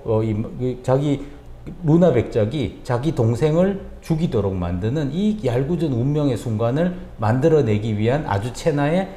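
A man retelling an opera's story in a lively way, acting out the characters' lines as he goes. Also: medium pitch. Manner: animated, acts out characters' lines in quotes. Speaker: music critic guest. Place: coffee bar. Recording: roomy echo.

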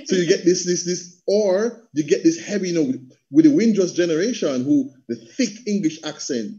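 High, dark-voiced Jamaican man on video call. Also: normal speed. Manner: animated, rhythmic, slips into patois. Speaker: panel guest, theatre practitioner and coach. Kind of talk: passionate conversational talk. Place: indoor room at home on a video call. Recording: dull video call audio.

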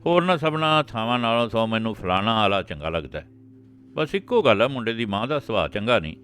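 An earnest, worried old village patriarch, as a man acts him out in a storybook reading. The voice climbs well above the reader's usual low register and stays a touch louder. Faint instrumental music sits far in the background. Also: big pitch swings, quick pace, clear, resonant tone. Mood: earnest deliberating. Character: older grandfather, anxious village patriarch.

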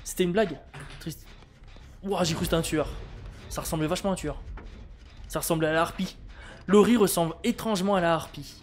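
A man's voice: sits high, brisk, pauses often, faint music behind. A French man streaming a game, chatting casually and reading his viewers' chat with wry humor. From France.

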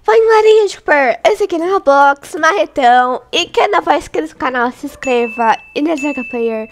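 This is a high-pitched woman giving casual gameplay commentary. She sounds congested from a cold. She chats to her viewers and squeals easily at scares. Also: normal speed. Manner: excitable, squeals and laughs when startled, talks to viewers. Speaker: gaming channel host.

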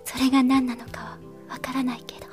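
An actress playing a gentle, earnest young girl with a soft, wistful delivery in an anime radio drama. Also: high-pitched, little pitch movement, fast talker, close to an everyday voice. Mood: hushed awe. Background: music.

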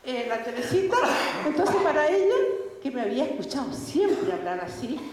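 A woman, telling personal faith stories in an animated way, laughing often and acting out the people she quotes. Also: sits high, moderate pace, a crowd in the background. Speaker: speaker giving a faith testimony. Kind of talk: religious talk with personal stories. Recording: echoey hall with faint background noise.

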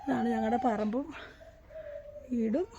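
Woman, Malayali accent, high-pitched, chatty vlog narration, outdoor phone recording, faint background noise. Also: unhurried, highs cut off. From Kerala. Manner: chatty, switches to sweet coaxing talk with a child. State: out of breath on a steep climb. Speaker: vlogger. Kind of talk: casual walking vlog narration. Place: outdoors on a hilly farm.

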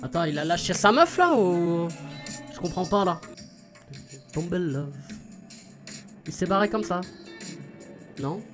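A man with a notably high voice talks through a music video in loose, rambling reaction commentary. He is slangy and chatty, calling his viewers bro, with faint music playing beneath him. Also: expressive, a little slow, long pauses.

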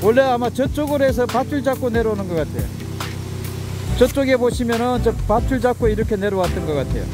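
A man's voice: extremely high pitch, lively intonation. Man narrating a hike over music. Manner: unhurried, explains as he walks, pointing things out. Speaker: hiking vlogger. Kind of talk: casual on-location narration. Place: outdoors on a mountain trail and in a valley.

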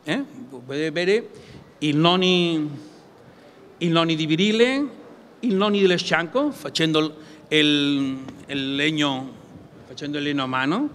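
Halting Catalan-accented man, reverberant amplified sound. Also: a little high, a bit bright, a little hiss or hum. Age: middle-aged. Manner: halting, searching for words in non-native Italian. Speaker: conference speaker presenting games. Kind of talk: prepared public presentation. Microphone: gooseneck table microphone.

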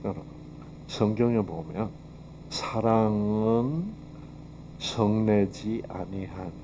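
A man's voice: lowish voice, slow pace, background noise. A man giving a lecture with Bible teaching at a health seminar, talking conversationally and putting rhetorical questions to his audience. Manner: acts out quoted dialogue.

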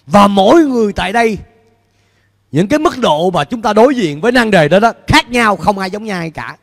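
High-voiced preaching man, lively. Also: fairly quick, gravelly. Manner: animated preaching, questions to the congregation, gestures with free hand. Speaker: pastor. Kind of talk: sermon. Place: church stage before a large screen, indoors. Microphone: handheld mic. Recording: long hall reverb in a large church.

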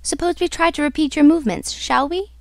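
A woman's voice: sits high, a little fast, gravelly, no echo, clean studio sound, voice pushed up. A woman voicing an ardent, jealous young man in a storybook, speaking in an urgent, challenging, dramatic way. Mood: questioning. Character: ardent, jealous young male suitor, impatient and protective.

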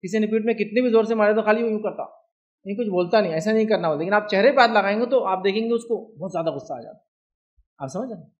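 Speaking fast and high, this man gives an Islamic lecture in an Indian Hindi-Urdu accent, and the recording sounds lo-fi. He chats with his audience and repeatedly checks whether they understand.

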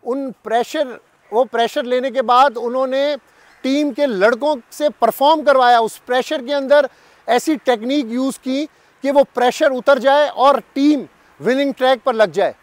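Fifties male cricket journalist, Pakistani Urdu accent, high-pitched, emphatic and repetitive, speaking to camera. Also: unhurried, no room sound. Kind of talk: direct-to-camera commentary. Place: sunny garden outdoors.

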